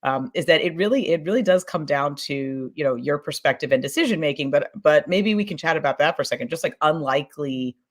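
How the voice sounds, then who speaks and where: A woman's voice: low-pitched, fairly quick, hardly any pauses. A woman in a casual panel discussion, speaking as a podcast producer in informal, circling phrases. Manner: informal, circling phrasing with many "you know" and "like".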